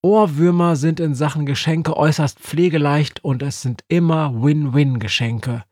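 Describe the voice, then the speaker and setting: A man's voice: a little high, steady tone, normal speed, a little mellow, dry recording, clean studio sound, voice pushed up, lightly acted. A man voicing a grumpy, stubborn old female Christmas witch. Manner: cranky, stubborn.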